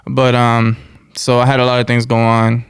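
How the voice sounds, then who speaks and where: An American man chats as an interview guest in a loose, slangy way. His voice has a gravelly edge but stays smooth, and his pitch moves little. The sound is close and dry. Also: monotone, normal speed, dry recording. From United States. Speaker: interview guest, musician and producer. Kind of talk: casual chat, slangy.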